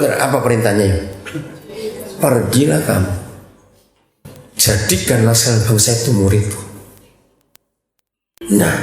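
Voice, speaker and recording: A man preaching a sermon as pastor, blunt and emotional, dropping to low asides and then shouting in mimicry. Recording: echoey church hall.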